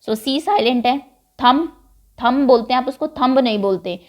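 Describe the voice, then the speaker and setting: A woman's voice: high voice, lively intonation, moderate pace. A woman teaching an English worksheet, switching between Hindi and English phrases and explaining patiently.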